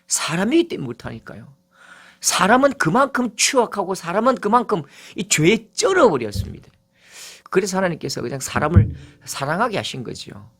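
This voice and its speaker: Man, pastor, sermon, middle-aged, high-pitched, very lively intonation, emphatic rises and quiet drops. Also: fairly quick, gravelly, husky. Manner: animated preaching, swings between emphatic rises and low quiet asides.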